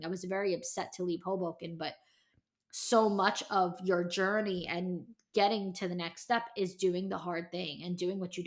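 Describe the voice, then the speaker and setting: On her casual solo podcast, a thirty-year-old woman speaks in a gravelly voice on the low side. Her talk is candid and chatty, heavy on "like" and "you know," and ends with emphatic encouragement for her listeners.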